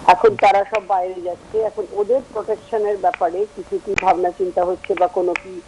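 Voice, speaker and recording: Woman caller, halting and filler-heavy, on a phone line that drops out, slightly distant, faint background hiss. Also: mid-range voice, little pitch movement, mellow. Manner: hesitant, many pauses and fillers. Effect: phone call breaking up and dropping out. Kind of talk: call-in question to a TV panel.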